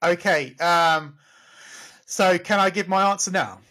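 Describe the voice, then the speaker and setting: A man's voice: high-pitched, measured pace, pushed and bright. A man, co-hosting a podcast and running a quiz in an upbeat, chatty way that breaks easily into laughter. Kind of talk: casual chat.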